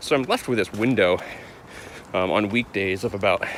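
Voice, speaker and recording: There is noticeable background noise. Over it, a man talks with fairly even intonation. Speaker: YouTuber reviewing fidget spinners. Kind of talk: casual vlog monologue. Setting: outdoors, walking. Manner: fast.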